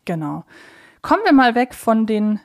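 A woman's voice: a little high, very animated, normal speed. A woman co-hosting a casual podcast, explaining her analysis in wordy, carefully phrased sentences. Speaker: podcast host. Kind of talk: casual analytical podcast conversation about a children's audio drama series.

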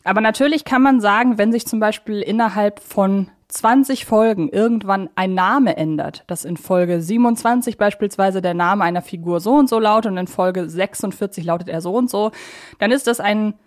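A woman's voice: mid-range voice, moderate pace. A young adult woman with a German accent hosting a casual podcast, explaining things in wordy, self-correcting loops. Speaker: podcast host.

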